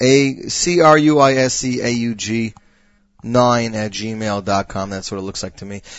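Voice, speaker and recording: A man with an American accent speaks fairly slowly in an unremarkable speaking voice with ordinary pitch variation. His loudness swings widely. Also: medium pitch for a man. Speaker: radio music show host. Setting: studio. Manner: upbeat, hype-building announcer reading song credits with showman flourishes; peppers English with Yiddish and Hebrew words.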